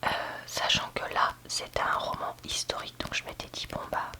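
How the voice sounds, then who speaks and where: A book reviewer giving a candid, hesitant ASMR review in a soft library whisper, often searching for words. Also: a little fast. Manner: soft library whisper, almost entirely unvoiced. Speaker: book reviewer, video host.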